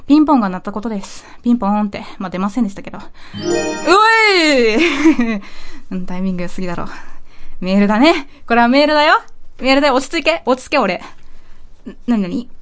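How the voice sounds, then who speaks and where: A woman hosting an online radio show, chatting casually and playfully, joking and talking to herself. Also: on the high side. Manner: playful, exclaims and talks to herself. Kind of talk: casual chat and story retelling.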